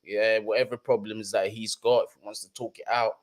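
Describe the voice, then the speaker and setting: A young man from London hosts a football live stream, talking in a casual, slangy way with a London accent and often restating his points. His voice is fairly low and level, and he speaks fairly quickly.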